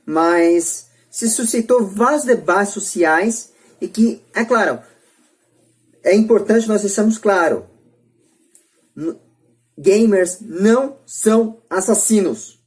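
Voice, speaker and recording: A woman's voice: medium pitch, measured pace, a little mellow. A Brazilian woman hosting a podcast debate, speaking in an emphatic, repetitive, opinionated way. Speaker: podcast host.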